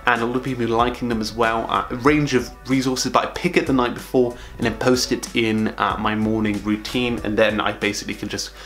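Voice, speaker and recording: A man's voice: medium pitch, a little fast, hardly any pauses, faint music behind. A young man talking to camera from a small home office, sharing monthly recommendations in a chatty, upbeat way and lifting his voice at each new item. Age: young adult. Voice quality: calls his own voice monotone. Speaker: productivity vlogger. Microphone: camera close up at desk.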